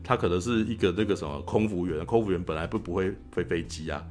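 Hosting a laid-back film-review podcast, this Taiwanese Mandarin-accented man speaks rapidly in a low register while soft music plays underneath. His retelling of a movie scene is lively, peppered with "you know?" and frequent laughter.

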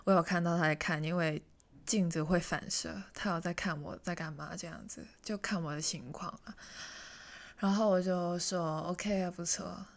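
A young woman from Hong Kong casually telling a personal story, chatty and self-mocking, often dropping into hushed asides. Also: lowish voice, fairly even intonation, moderate pace. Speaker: vlogger.

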